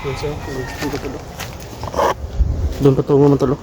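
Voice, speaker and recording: Halting Filipino man vlogging outdoors in wind. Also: mid-range voice, flat delivery. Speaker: adventure vlogger and host. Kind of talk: casual vlog narration to viewers. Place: outdoors in a windy, quiet spot. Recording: noisy outdoor recording with wind.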